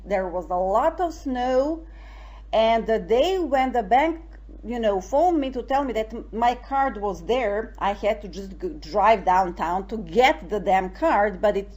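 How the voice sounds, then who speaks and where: Serbian-accented woman telling her story. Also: a little high. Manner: emphatic, animated, lots of "you know". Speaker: interview guest, network marketer. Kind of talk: casual interview storytelling.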